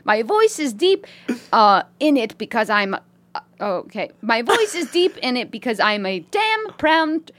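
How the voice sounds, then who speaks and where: A woman's voice: a little high, sing-song, unhurried, a bit bright. A woman co-hosting a podcast in a casual chat, reading a listener letter aloud and laughing often. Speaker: podcast host.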